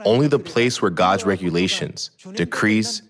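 A middle-aged man preaching a sermon at a pulpit, measured and posing rhetorical questions he then answers. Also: sits low, a bit bright. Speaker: pastor. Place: large church hall, at a pulpit. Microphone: podium microphones.

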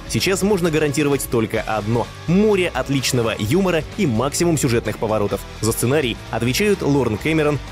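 A man narrates in at a quick clip. His pitch sits in the middle as he reads a scripted countdown voice-over, with music running behind him. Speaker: narrator of an animated film countdown show. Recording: music under the voice. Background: background music.

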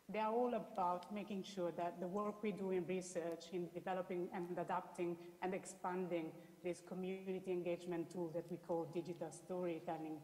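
An academic researcher from Italy, speaking with an Italian accent, gives an explanatory slide presentation and often restates her words. Her voice is lowish with a dark tone, recorded in an echoey hall with long reverb.

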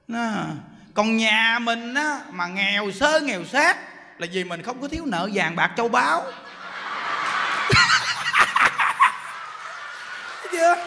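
High-voiced monk preaching. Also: male voice, in a large hall. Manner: joking, storytelling, laughs often. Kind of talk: humorous dharma talk.

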